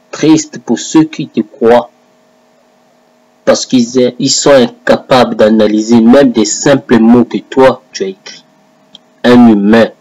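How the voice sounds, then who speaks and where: Man, online religious commentator, husky breathy tone, combative and taunting, speaking straight to an opponent in a video rant. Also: medium pitch, a little mellow, rough recording. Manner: taunting, combative, addresses his rival directly. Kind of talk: confrontational religious video monologue.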